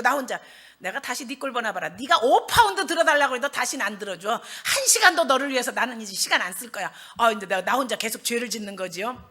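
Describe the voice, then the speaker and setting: A middle-aged woman pastor delivers a sermon in a church, mixing scripture with personal stories. Her voice sits high and rings bright. She acts out her own inner outbursts with lively, animated delivery.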